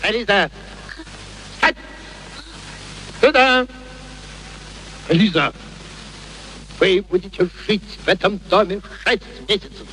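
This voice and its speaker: An actor playing an excitable, imperious professor who cajoles and commands theatrically in a vintage radio play. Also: male voice, high-pitched, slow pace, long pauses, heavily acted, poor audio. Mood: commanding, grandiose. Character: domineering, excitable, eccentric male professor. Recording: old radio recording with faint noise.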